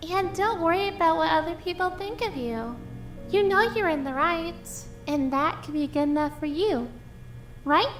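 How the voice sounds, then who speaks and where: A woman's voice: very high voice, animated, moderate pace, faint music behind. A woman voicing a kindly, encouraging young female hedgehog in a cartoon audio drama, speaking earnestly. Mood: sympathetic, reassuring.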